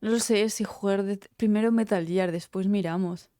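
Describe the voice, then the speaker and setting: A woman game streamer with a Spain Spanish accent chats on a live stream in a warm, medium-pitched voice with fairly even intonation and a moderate pace. Teary after crying, she's emotional, rambling, and swears freely, in dry, studio-quality audio.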